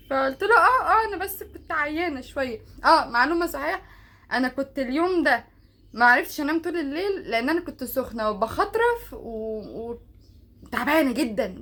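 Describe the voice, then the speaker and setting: A woman's voice: high voice, sharp tone. A young Egyptian woman telling a personal story casually, chatty and often laughing as she acts out both sides of conversations. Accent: Egyptian Arabic. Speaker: vlogger.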